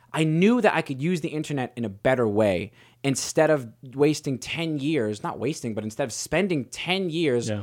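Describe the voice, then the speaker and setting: With lively intonation, a man talks at a fairly high pitch. The recording is very clean, its background silent. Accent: New York. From New York, Staten Island. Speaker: comedian and actor. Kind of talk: casual chat.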